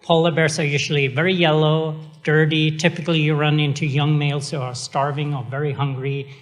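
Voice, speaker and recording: A man's voice: fairly high pitch, level tone, brisk. A middle-aged man from Sweden with a Swedish accent, an executive director giving a chatty, self-deprecating speech with many fillers. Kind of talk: speech at an event.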